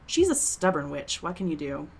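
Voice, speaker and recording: Woman playing lively, teasing young townswoman. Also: sits low, moderate pace, vocal fry, slight background noise, full character voice. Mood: casual, amused. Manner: casual, slangy, playful ribbing. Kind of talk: audio drama dialogue.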